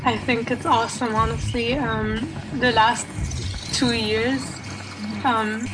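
A woman musician answering interview questions haltingly, with many fillers and restarts. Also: on the high side, flat delivery, low-quality recording. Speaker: musician guest. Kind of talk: casual interview. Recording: music playing behind.

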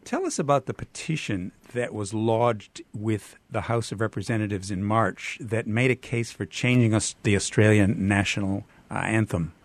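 A man's voice: lowish voice, no echo. Canadian man hosting a radio interview. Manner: measured, hesitant with fillers. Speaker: radio host.

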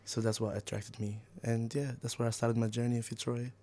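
A man from Egypt, a youth community worker, giving relaxed and easygoing answers in a radio interview. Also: medium pitch, a little fast. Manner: relaxed, short easygoing replies.

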